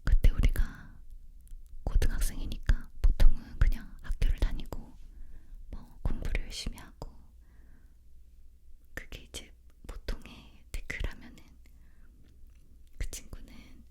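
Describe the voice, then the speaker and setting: A woman leaning in to whisper an ASMR story in a breathy, unvoiced voice, very close to the microphone. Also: measured pace, pauses often. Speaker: ASMR creator telling a personal story.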